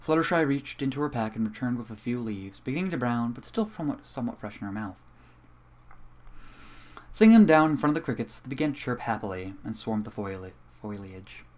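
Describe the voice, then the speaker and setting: A young man reading a fan story aloud in a calm, even way at a home microphone. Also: mid-range voice, fairly quick. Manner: casual and profane in the intro, then calm and even while reading. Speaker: fanfiction reader. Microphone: home computer microphone.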